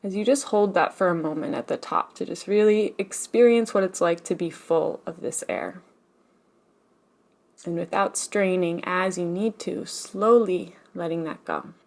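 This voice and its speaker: A woman leading a guided meditation as a teacher, speaking in a gentle, soothing, unhurried manner with long pauses. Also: lowish voice, vocal fry.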